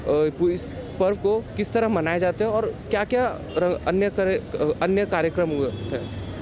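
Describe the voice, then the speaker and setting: A man's voice: sits high, measured pace. A male reporter asking questions on a city street, hesitant with fillers and restarts. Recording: street traffic noise.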